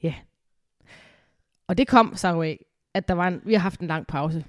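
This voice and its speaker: This podcast co-host, nursing a cold at home in her living room, has a lowish voice and keeps the chat casual, cheerful, and meandering with plenty of fillers. The recording is studio quality with no echo.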